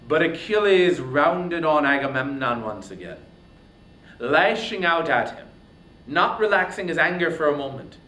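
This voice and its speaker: A man's voice: on the high side, very animated, measured pace, sharp tone. A man giving a dramatic, declamatory reading of epic poetry as narrator. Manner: theatrical, declamatory. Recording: roomy echo, faint background noise.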